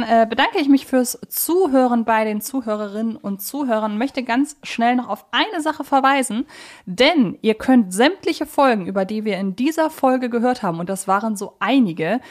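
A woman hosting a podcast, talking in a conversational discussion style. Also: on the high side. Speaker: podcast host.

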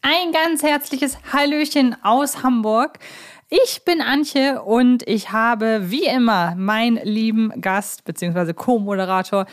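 A woman's voice: a little high, measured pace. A woman hosting a podcast in a chatty, wordy style with stop-and-start phrasing. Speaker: podcast host.

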